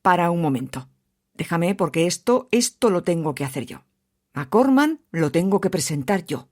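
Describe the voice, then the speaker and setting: A man's voice: high voice, very animated, moderate pace, a little mellow. A man with a Spanish accent, jumping in with theatrical, bossy comic lines. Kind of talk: comic sketch.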